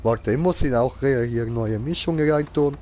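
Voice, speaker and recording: A man's voice: mid-range voice, moderate pace, warm tone. A man giving casual live gaming commentary in clownish, slangy broken grammar, as a streamer. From Switzerland. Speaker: game streamer.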